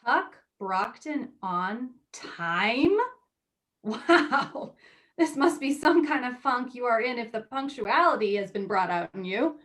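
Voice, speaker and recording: A woman's voice: on the high side, animated, slow, a bit bright. A woman acting in a play reading as a blunt, wry magazine editor who is a loyal, teasing friend.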